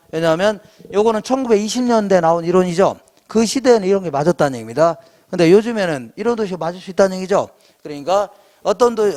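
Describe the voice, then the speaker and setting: A man's voice: high voice, a little mellow. A middle-aged male professor giving an exam-prep lecture. He keeps asking questions and answering them himself, and he uses jokey memory tricks. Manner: call-and-response quizzing, asks and answers himself; jokey memory tricks, mimics a regional drawl.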